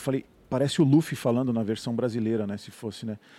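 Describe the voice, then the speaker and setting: Over a very clean recording with a silent background, a man speaks very fast at a medium pitch, his dark, mellow tone held in fairly even intonation. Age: 30s. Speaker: voice actor. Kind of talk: casual chat. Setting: live stream recorded in a shop.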